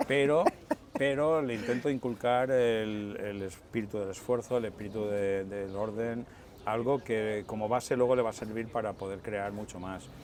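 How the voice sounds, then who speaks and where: Here is a man with an unremarkable speaking voice. His pitch sits at medium with ordinary variation. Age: 60s. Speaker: car company founder. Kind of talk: interview.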